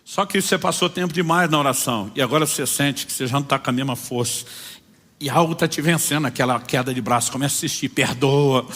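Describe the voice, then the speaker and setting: A man's voice: mid-range voice, fast talker. A man preaching as a pastor, telling stories and voicing the people in them. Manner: animated storytelling, voicing people in his stories. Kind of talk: sermon with acted-out anecdotes. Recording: long hall reverb.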